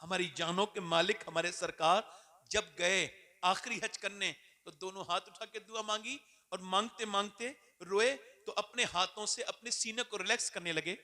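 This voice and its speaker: A man delivering an emotional religious sermon, telling stories dramatically and swinging between loud exclamations and hushed passages. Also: high-pitched, in a large hall. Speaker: preacher.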